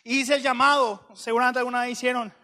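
Male preacher; high, sharp-toned voice; conversational, humorous storytelling. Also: level tone, fast. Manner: joking, conversational, bursts of loud emphasis.

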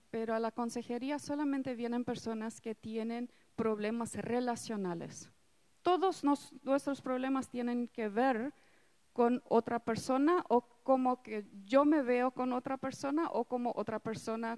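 A middle-aged woman whose first language is German, giving a counseling talk to a group in careful, non-native speech with pauses and fillers. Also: fairly high pitch, darkish tone. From Paraguay.

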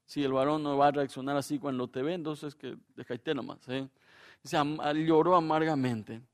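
A male pastor delivers a lively sermon. His voice sits a little high, and he acts out quoted voices, jumping from loud exclamations to quiet, intimate asides. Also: normal speed.

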